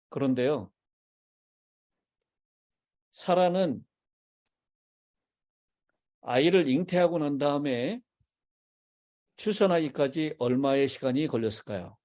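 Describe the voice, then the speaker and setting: A male pastor preaches from a church pulpit in a warm, slightly high voice and measured phrases. He pauses to put questions to the congregation and waits for their replies, call-and-response style, in the sanctuary.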